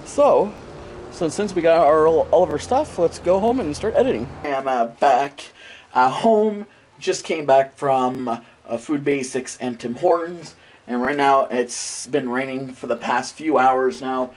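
A man's voice: mid-range voice, lively intonation, unhurried, darkish tone. A man, congested from a cold, rambling casually to a handheld camera as he walks around town. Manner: rambling, chatty, many fillers. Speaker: vlogger. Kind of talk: casual vlog talk to camera. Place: bedroom, outdoors on streets, in a store. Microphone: handheld action camera at arm's length.

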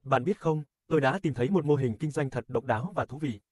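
A man voicing a friendly businessman making a neatly enunciated, upbeat sales pitch in a scripted cartoon advertisement. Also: quick pace, a little mellow, no echo, clean studio sound, natural voice. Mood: friendly, persuasive.

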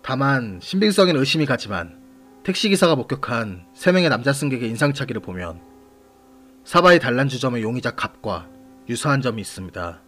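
A man hosting and narrating a scripted true-crime series in a measured, formal manner, putting questions to the audience. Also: medium pitch, fairly bright tone. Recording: voice over background music. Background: background music.

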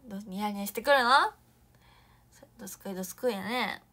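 A young woman chatting casually on a morning live stream, reading viewer comments, thanking viewers in a bubbly way and sometimes dropping to a soft whisper. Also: mid-range voice, steady tone, a little fast.

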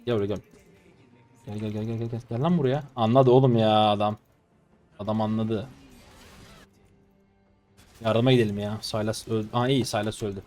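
A man in his twenties, a live streamer giving excitable, mocking gameplay commentary. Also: on the low side, normal speed, pauses often, soft background music. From Turkey. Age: 20s. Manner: excitable, mocking and trash-talking.

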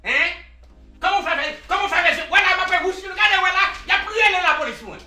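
An actor playing a blustering, excitable older uncle with a Haitian accent, ranting and repeating himself in a comedy sketch. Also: male voice, extremely high pitch, a little slow, full character voice. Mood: indignant. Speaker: comic lead. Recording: echoey room, distant mic, music behind.

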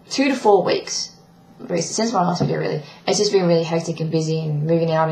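A young trans man with a croaky, breaking voice, giving a rambling video diary update with many ums. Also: on the high side, echoey room, low-quality recording. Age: young adult. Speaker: vlogger. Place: small bedroom indoors. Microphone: webcam at desk.

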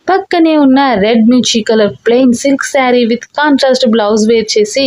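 High-voiced woman narrating a story. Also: moderate pace, darkish tone.

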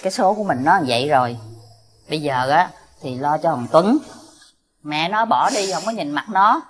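A woman's voice: low-pitched, animated, normal speed. An actress playing a worried middle-aged neighbor woman with a Southern Vietnamese accent, consoling a friend. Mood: resigned. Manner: lamenting, sympathetic. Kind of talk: TV crime reenactment drama.

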